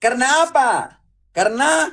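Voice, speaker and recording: A man's voice: extremely high pitch, normal speed, pushed and bright. A man preaching as a Catholic Bible teacher, emphatic, repeating phrases and prompting with questions. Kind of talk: interactive Bible teaching, apologetics.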